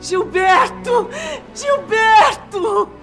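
A woman's voice: very high voice, extremely slow, full character voice. An actress with a Brazilian accent playing an impulsive, lovesick young female spirit in a radio drama. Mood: excited, longing. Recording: loud music over the voice.

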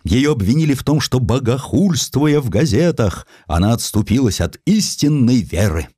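A man narrating a historical sketch as a dramatic audiobook, with varied emphasis and deliberate pauses. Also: medium pitch, big pitch swings, warm tone, slightly rough, dry recording, studio quality.

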